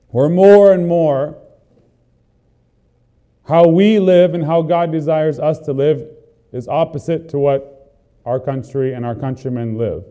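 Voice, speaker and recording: Earnest preacher with a dark voice. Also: male voice, on the high side. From not from the country he is preaching in. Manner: earnest, building emphasis with repeated phrases. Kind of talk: sermon.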